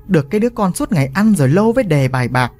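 An old mother scolding her grown son, complaining in a lively, rising voice, as a male storyteller plays her. Faint music drifts under the reading. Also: on the high side, very fast.

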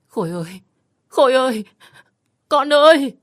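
A man voicing a grief-stricken village mother who wails frantically for her dead son, in high, desperate cries. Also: expressive, unhurried, a bit bright, no echo, clean studio sound, full character voice. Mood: frantic. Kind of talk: storytelling.

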